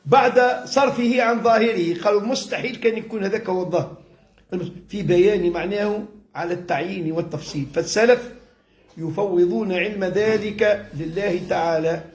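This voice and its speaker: Man, Tunisian accent, high pitch, religious lesson, explanatory, repeats and rephrases, echoey room. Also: moderate pace. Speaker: religious teacher, sheikh. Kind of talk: informal religious lesson mixing classical Arabic and dialect.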